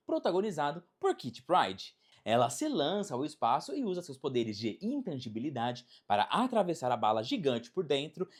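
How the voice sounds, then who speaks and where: A Brazilian narrator delivers a scripted video essay at a medium pitch. The intonation is very animated, rising and falling widely. Phrasing is emphatic and dramatic, built to present and explain.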